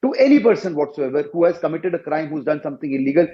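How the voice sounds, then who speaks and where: A man speaking as a panelist in a televised debate, insistent and forceful, with a loud voice. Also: fairly high pitch, sing-song, fast talker, highs cut off.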